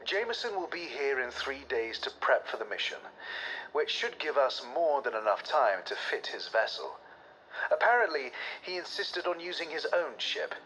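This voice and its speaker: An actor playing a cynical, scheming military official, calculating in a sci-fi game audio log. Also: male voice, medium pitch, pushed and bright. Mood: businesslike. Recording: noisy radio-style audio log.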